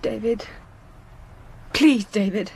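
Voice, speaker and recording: An actress playing an anxious, obsessive wife in a radio horror play, intense and dramatic. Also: female voice, mid-range voice, takes it slowly, gravelly, darkish tone. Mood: anxious, pleading. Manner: intense, dramatic, lapsing into whispers. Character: anxious, obsessive wife gripped by morbid fixation. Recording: noisy 1980s radio drama recording.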